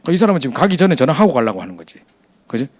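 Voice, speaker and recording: Fast-talking, animated male pastor. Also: medium pitch. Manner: animated, chatty storytelling with acted quotes. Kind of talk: storytelling sermon to young adults.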